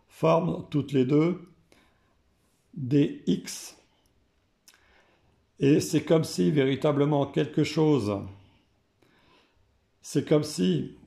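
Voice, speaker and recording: Hoarse French man, gravelly and mellow, unhurried card reader with frequent fillers. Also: mid-range voice. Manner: slow and hesitant, frequent "euh" fillers. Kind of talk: casual explanation to camera.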